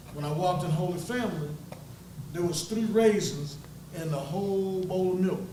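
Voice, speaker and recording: Amid noticeable background noise and audible room echo, a man with a high pitch speaks at a moderate pace with ordinary pitch variation, taking long, frequent pauses. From grew up all over the world, military base childhood. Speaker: talk show co-host. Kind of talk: heated debate. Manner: animated.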